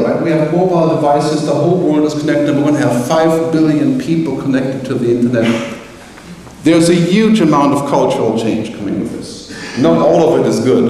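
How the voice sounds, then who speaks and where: A man's voice: on the high side, far from the mic. Man giving a keynote in an echoey hall. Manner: animated, gesturing, joking asides. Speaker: keynote speaker. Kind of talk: conference keynote. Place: large conference hall. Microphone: headset mic.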